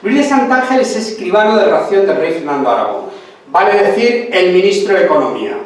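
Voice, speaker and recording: A man's voice: high-pitched, sing-song, a little fast. Theatrical man lecturing in an echoing hall. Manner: theatrical storytelling. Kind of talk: lively history lecture. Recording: echoey hall from far off.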